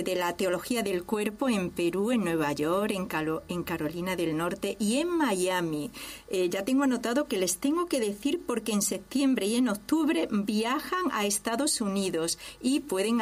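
A woman hosting a Catholic radio programme, a religious sister with a chatty, informal, digressive way of talking. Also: medium pitch. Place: radio studio in Barcelona.

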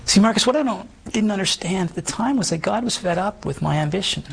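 A man around fifty with a hoarse, damaged voice, earnestly telling his life story as an interview guest, halting and full of restarts. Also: high voice, lively intonation. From Canada. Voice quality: hoarse, gravelly voice. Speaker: guest sharing his testimony. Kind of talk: personal testimony in conversation.

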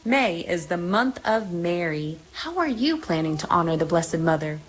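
A woman reading a scripted radio promo in a gentle, inviting way. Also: fairly low pitch, sing-song, moderate pace. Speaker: promo announcer.

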